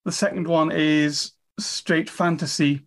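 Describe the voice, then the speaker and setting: A woman's voice: low-pitched, steady tone, slow. Chatty, self-mocking woman in her fifties. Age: 50s. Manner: chatty, enthusiastic, self-deprecating. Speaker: author and guest. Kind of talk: casual interview chat.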